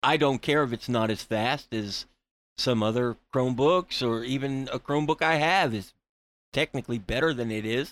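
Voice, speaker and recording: A man's normal speaking voice at medium pitch, with ordinary pitch variation, a moderate pace, and a dry, close sound with no echo. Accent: American. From Florida. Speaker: tech journalist. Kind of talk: casual chat.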